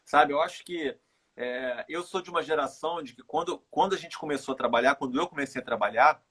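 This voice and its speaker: A middle-aged man with a Carioca accent speaks in a husky, somewhat high voice. He talks reflectively in a casual live chat, often pausing and repeating words as he works through a thought. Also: a bit bright. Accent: Carioca Brazilian Portuguese. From Rio de Janeiro, Brazil. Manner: reflective, halting, repeats words while thinking. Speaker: guest, runner and author.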